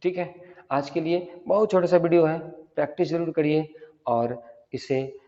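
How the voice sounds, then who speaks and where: A man's voice: fairly high pitch, a little slow, warm tone, lo-fi sound. Man teaching English, echoey room. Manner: explains step by step, drills phrases aloud. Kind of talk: spoken English lesson.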